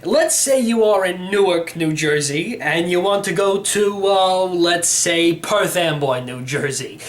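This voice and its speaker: A man's voice: high-pitched, expressive, a little slow. A man voicing an eccentric, cheerful elderly uncle in a storybook, explaining things in a rambling, matter-of-fact way. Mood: patiently explaining. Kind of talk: storybook character reading.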